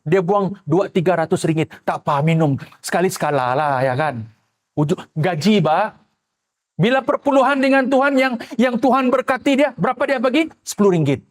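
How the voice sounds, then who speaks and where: A male pastor delivers a sermon, alternating between loud exclamations and quiet asides while acting out the people he quotes. His voice is high-pitched and his pace is normal.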